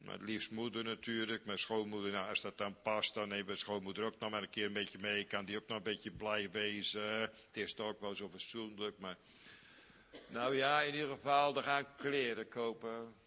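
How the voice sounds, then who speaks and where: A man preaching a sermon slowly and emphatically, repeating phrases and swinging from loud high outbursts to quiet low asides. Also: level tone. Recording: dull lo-fi recording in a reverberant hall.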